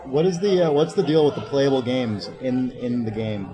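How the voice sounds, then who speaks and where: A man's voice: mid-range voice, expressive, moderate pace. A man hosting a casual podcast interview, recorded in an echoey hallway. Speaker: podcast host interviewing a guest. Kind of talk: casual chat. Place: open convention hallway at a game table. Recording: echoey hallway with crowd chatter. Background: crowd noise, people at nearby tables.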